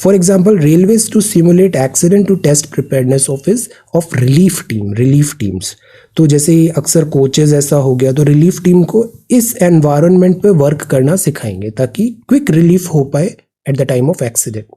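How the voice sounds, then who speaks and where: A man's voice: a little high, animated, takes it slowly, mellow, husky. A man teaching a current affairs exam prep lesson, mixing Hindi and English with an Indian English accent, explaining words and asking students questions. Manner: explanatory, drills pronunciation, asks students questions.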